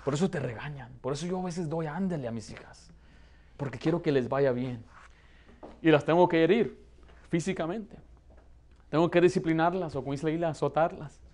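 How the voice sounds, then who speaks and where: A man in his thirties who grew up in the United States, preaching a lively sermon from a pulpit with a Mexican Spanish accent. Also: fairly high pitch, brisk, pauses often. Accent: Mexican Spanish, learned in the United States. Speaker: pastor. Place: church hall, plain indoor room.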